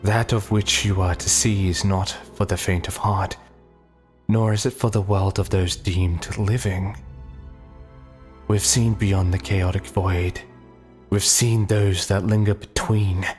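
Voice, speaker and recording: A man voicing a commanding, sinister masked cult leader in a horror story, deep and haunting, with solemn, archaic, menacing delivery. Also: little pitch movement, slow, soft background music. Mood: grave, menacing.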